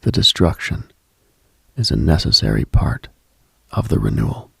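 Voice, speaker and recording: Very deep, gravelly, husky late-night man. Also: very animated, moderate pace, no room sound. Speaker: late-night radio host. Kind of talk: intimate late-night spiritual radio monologue.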